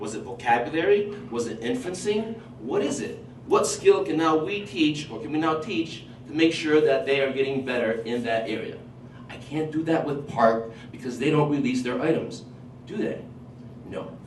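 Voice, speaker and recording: A man's lively intonation and big swings in loudness, with audible room echo and noticeable background noise. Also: fairly high pitch for a man, moderate pace. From Portugal, raised in US from age seven. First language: Portuguese. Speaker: high school teacher. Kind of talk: public testimony. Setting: public hearing.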